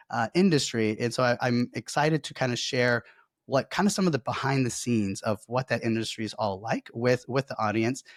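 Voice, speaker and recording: A man's voice: medium pitch, no echo. Male podcast host, dry close sound. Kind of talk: conversational interview.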